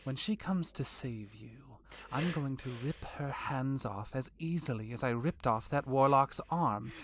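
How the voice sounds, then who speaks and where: A woman's voice: a bass voice, measured pace. A woman playing a cold, vengeful vampire villainess in an audio drama, taunting with genteel menace. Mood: gloating menace.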